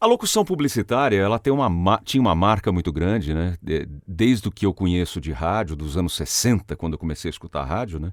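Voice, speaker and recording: In a very clean recording with a silent background and a dry, close sound with no echo, a man speaks at a fairly quick pace with hardly any pauses. His very deep, low voice has lively intonation. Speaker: veteran advertising and news voice-over announcer. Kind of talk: interview answer.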